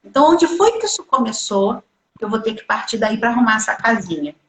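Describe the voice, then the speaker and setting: A woman host leading a parenting live stream over a video call, with a fairly high voice and a pressing, insistent delivery. The sound carries an echoey room. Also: very animated, fairly quick, a bit bright.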